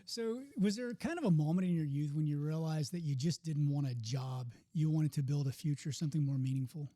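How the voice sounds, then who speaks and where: A man hosting a podcast interview, asking questions in a relaxed conversational way with casual fillers. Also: on the high side, brisk, no room sound, studio quality. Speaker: podcast host.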